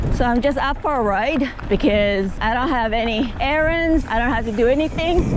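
A woman talks at a moderate pace in a high voice, with ordinary pitch variation and hardly any pauses. The sound is dry with no echo, though background noise is noticeable. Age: 50s. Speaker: vlogger. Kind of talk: casual chat. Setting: outdoors. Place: bicycle. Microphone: phone near.

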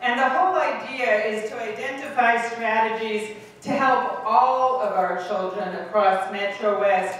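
Strong room echo fills the sound as a woman talks very slowly with ordinary pitch variation. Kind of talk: public speech. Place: hall.

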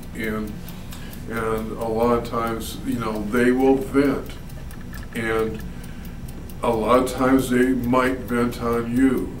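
Over light background noise and audible room echo, a man speaks at a very slow pace in a monotone, flat intonation with long, frequent pauses. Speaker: hospice care instructor. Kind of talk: lecture. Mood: calm, empathetic. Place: office. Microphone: camera far.

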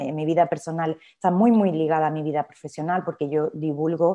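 Against a quiet background, a woman speaks in a very deep, low voice with a dark, mellow tone. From Andalusia, Córdoba province. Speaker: nutritionist. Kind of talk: interview.

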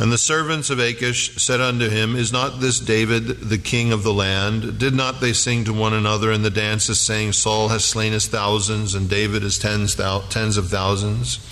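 Keeping very even loudness and hardly any pauses, a man with an ordinary speaking voice and fairly low pitch talks at a moderate pace with fairly even intonation. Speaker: pastor preaching. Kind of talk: sermon, reading scripture aloud. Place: church.

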